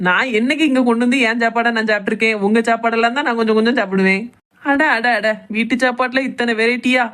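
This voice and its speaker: A cheeky young village woman from a comic skit teases her co-workers in a Tirunelveli accent, acted by a woman. Her voice sits somewhat high, and she talks in a playful, joking way. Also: fairly even intonation, fast, a bit bright, natural voice. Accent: Tirunelveli Tamil. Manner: playful, teasing.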